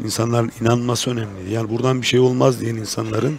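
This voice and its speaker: The speech moves at a very fast pace with fairly even intonation. The sound is dry with no echo, and there is light background noise. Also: man. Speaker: interviewee. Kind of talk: interview answer. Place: street. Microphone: headset.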